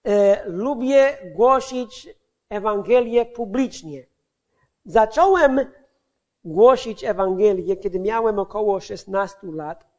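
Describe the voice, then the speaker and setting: A man giving a personal testimony as a street evangelist, speaking haltingly and often stopping to search for words and restart. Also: high-pitched, a little mellow.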